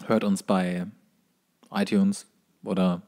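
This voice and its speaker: A man's voice: low-pitched, flat delivery, slow, darkish tone. A man co-hosting a podcast in casual comedic banter, talking in a joking, rambling way. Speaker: podcast co-host.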